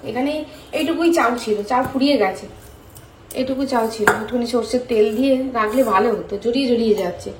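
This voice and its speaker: A woman's voice: on the high side, quick pace, noisy background. A woman with a West Bengal Bengali accent, vlogging casually and exclaiming as she chats about what she is doing. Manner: chatty, exclaiming, narrating what she does. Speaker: lifestyle vlogger. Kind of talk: casual home vlog. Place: garden with mango trees, then home kitchen.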